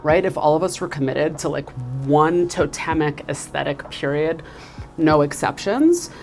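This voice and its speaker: A woman's voice: deep voice, lively intonation, a little slow, faint music behind. A woman from the United States, a marketing executive, talking enthusiastically in an interview with many fillers like "you know" and "like.". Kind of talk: casual interview.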